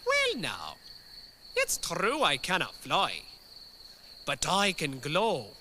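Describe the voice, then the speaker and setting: Tiny cheerful Scottish firefly, lilting and slow. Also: mid-range voice, huge pitch swings, heavy background noise. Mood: cheerful, earnest. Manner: folksy, upbeat, devout. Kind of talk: children's musical audio drama. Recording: loud music behind the voice.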